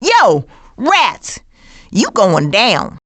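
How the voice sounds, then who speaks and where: A woman voicing a sassy, streetwise, sarcastic female skunk with slangy wisecracks in an animated video game. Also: medium pitch, extremely slow, breathy edge, full character voice. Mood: feisty.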